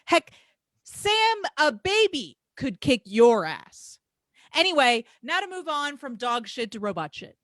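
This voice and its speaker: A woman's voice: sits high, sing-song, measured pace, a bit bright, no echo, clean studio sound, heavily acted. A woman playing a brash, boastful male pro wrestler, reading crude, grandiose trash-talk promos with taunting, emphatic delivery. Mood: taunting, cocky.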